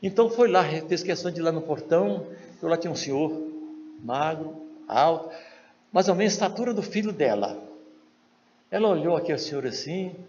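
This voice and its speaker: A man's voice: brisk, pauses often. A Brazilian man giving a spiritist lecture, telling a story and acting out the voices in it. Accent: Brazilian Portuguese. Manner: acts out quoted dialogue with lively shifts in pitch. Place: large lecture hall. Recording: lo-fi hall recording with faint noise.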